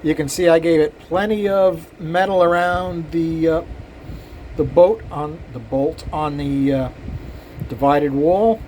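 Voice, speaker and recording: A man's voice: on the high side, slow pace, darkish tone, a little hiss or hum, poor audio. An older man, a cylinder head porter, casually talking shop to his viewers in a rambling, self-deprecating way with many fillers. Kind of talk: casual shop talk to camera.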